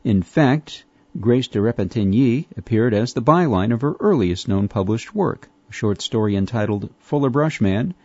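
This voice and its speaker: A man reads an article aloud in a measured, formal manner with steady phrasing. His voice sounds dark and slightly husky. The recording is dry, dull and lo-fi. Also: medium pitch, no echo. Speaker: reader of a magazine article. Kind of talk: scripted narration.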